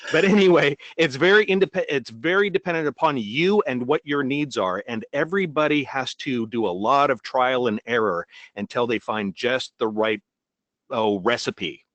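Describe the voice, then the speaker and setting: A man explaining recording setup on a webinar in a calm, measured way. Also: medium pitch, dry recording. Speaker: recording and studio expert.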